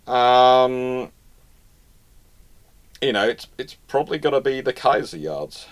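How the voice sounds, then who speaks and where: In a mid-range, animated voice, a man takes his time answering audience questions during a live Q&A. The talk is casual history delivered knowledgeably, though he often backs up and repeats what he's said.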